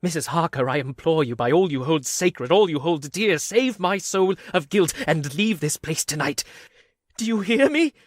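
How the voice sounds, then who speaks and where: A man's voice: on the high side, lively intonation, moderate pace, no room sound. Man voicing a haunted asylum madman, rambling, erratic swings, radio play, dry close sound. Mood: desperate. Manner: rambling, jittery, swings from mutters to cries. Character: Renfield, a guilt-ridden madman asylum inmate. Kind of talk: community radio play acting.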